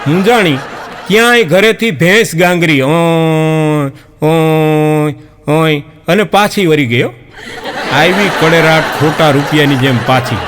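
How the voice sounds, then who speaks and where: A man telling folk jokes on stage, acting out the characters in animated storytelling. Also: on the high side, normal speed, slight background noise. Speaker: comedian storyteller.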